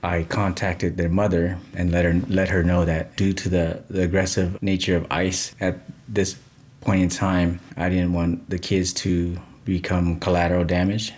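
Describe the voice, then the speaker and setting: A man in his forties, raised in California, talks with a reporter in a casual, laid-back way, repeating a word here and there. His voice is very deep. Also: little pitch movement, moderate pace, darkish tone. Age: 40s. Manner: plain, laid-back speech with restarts. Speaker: interviewee. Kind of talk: casual interview talk.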